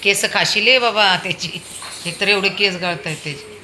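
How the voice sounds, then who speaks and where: At home, a woman with a medium-pitched voice films a casual video at moderate pace, fondly scolding a small child and coaxing her pet dog. A fan hums indoors and the dog can be heard in the background.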